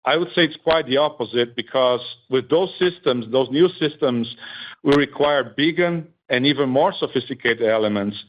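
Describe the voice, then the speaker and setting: A man's voice: medium pitch, moderate pace. Methodical male executive, dull call audio. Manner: methodical, explanatory, enumerates points. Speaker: company executive. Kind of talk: earnings call answer, explaining technology in simple terms. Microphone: conference call line.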